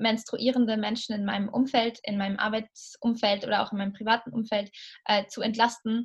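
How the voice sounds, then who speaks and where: With a quiet background, a woman with a fairly high pitch speaks at a moderate pace. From Austria, Salzburg. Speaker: author and menstruation activist. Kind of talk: interview conversation. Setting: studio, face to face.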